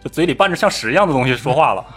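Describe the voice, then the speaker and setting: Male podcast storyteller, pitch swings wide, lively and mimicking, casual chat. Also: very fast, faint music behind. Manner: animated storyteller, mimics voices. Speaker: podcast co-host telling a travel story.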